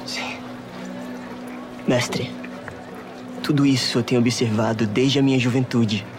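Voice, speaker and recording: A man's voice: medium pitch, steady tone, a little slow, background noise, close to an everyday voice. An actor playing an earnest, hesitant wealthy young man in a dramatized Bible scene. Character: wealthy young man, eager then reluctant. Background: music.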